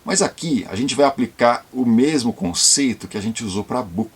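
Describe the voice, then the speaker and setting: A man from São Paulo with a São Paulo Brazilian accent, casually explaining tips for learning English and slowing down to model pronunciations. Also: medium pitch, expressive, slightly rough. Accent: Brazilian Portuguese, São Paulo. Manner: slow, deliberate when modeling pronunciation. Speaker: YouTube channel presenter.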